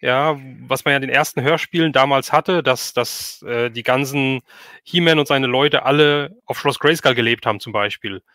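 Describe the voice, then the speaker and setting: A man's voice: medium pitch, moderate pace, bright, forceful tone, no room sound, clean studio sound. A man hosting a casual livestream interview, asking rambling questions and often chiming in with agreement. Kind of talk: casual chat.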